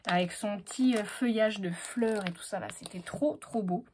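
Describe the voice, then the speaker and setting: A woman's voice: mid-range voice, moderate pace, darkish tone, a little hiss or hum. A woman chatting casually as she unboxes craft stamps, hesitant and full of fillers, talking to herself as she sorts things. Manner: talks to herself while sorting items. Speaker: crafting vlogger.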